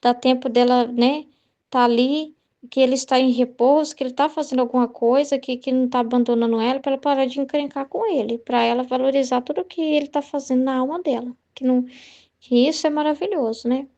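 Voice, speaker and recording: A woman's voice: high-pitched, steady tone, brisk, warm tone, dull audio. A woman with a Brazilian Portuguese accent leading a casual Catholic study, rambling and tagging her sentences with questions. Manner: rambling, frequent "né?" tag questions. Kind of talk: casual religious study commentary.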